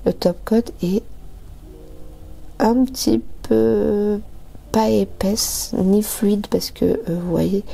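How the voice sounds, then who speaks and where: Woman nail artist, product review voice-over, slow, gravelly, dark tone, hesitant with fillers. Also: medium pitch, fairly even intonation. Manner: hesitant, many fillers, soft asides half-whispered.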